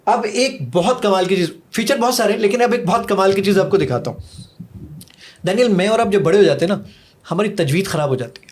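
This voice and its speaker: A middle-aged man, an app developer, eagerly walking a host through a live demo in a podcast interview. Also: high-pitched. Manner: eager, rapid-fire demonstrating, counts seconds aloud.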